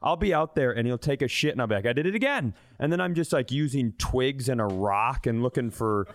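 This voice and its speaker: A man's voice: medium pitch, animated, brisk, no echo. A man in his thirties co-hosting a comedy podcast, telling stories casually with profane, self-deprecating humor. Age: 30s. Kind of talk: casual comic storytelling and banter.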